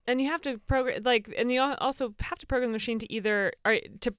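Chatty woman with a smooth voice. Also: on the high side, no echo, clean studio sound. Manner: lively, chatty, quick to joke. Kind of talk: conversational panel discussion.

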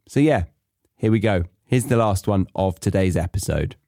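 Male host, low voice, dry close sound, chatty explainer. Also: moderate pace, warm tone, no echo. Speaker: podcast host for language learners. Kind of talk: casual explanatory monologue.

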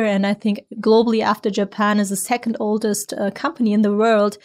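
A woman's voice: mid-range voice, darkish tone. A woman from Germany in her thirties, a tech investor answering interview questions earnestly, stressing points by repeating words.

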